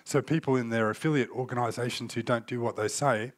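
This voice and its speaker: Man, 40s, recovering from a cold, coughs, conference keynote, mid-pitched, dry close sound. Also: steady tone, a little fast, dry recording. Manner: loose spoken presentation with fillers, explanatory. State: getting over a cold, coughing. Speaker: keynote speaker on cyber threat intelligence. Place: indoor conference stage.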